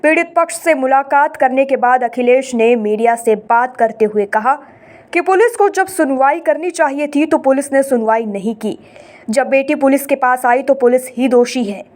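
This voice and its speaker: A woman news anchor reading a scripted bulletin in a brisk, formal manner. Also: high voice, a little mellow.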